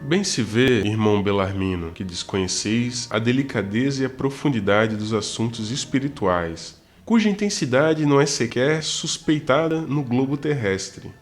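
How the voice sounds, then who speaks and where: A man's voice: mid-range voice, lightly acted. A man voicing a solemn, kindly priest spirit who guides lost souls, speaking in a formal, archaic, preaching way in a radio drama.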